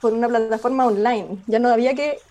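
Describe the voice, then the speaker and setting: A young woman with a Chilean accent speaks in a fairly high but soft, mellow voice. She talks thoughtfully, often pausing with fillers and restarting her sentences. She sounds like a scientist answering a radio interviewer. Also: fairly even intonation. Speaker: biologist guest.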